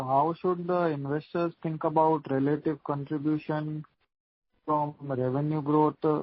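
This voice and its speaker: A man putting formal, measured investor questions on an earnings call. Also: fairly high pitch, no room sound. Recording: dull, dry conference call line.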